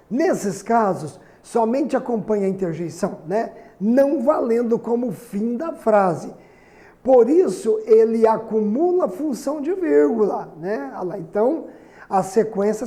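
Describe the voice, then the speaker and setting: A man's voice: high voice, dark tone. A middle-aged man from Brazil teaching a recorded grammar lesson, chatty, often checking in with the class as he writes on the board. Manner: chatty, constantly asking "né?" and "certinho?"; writes on the board while explaining.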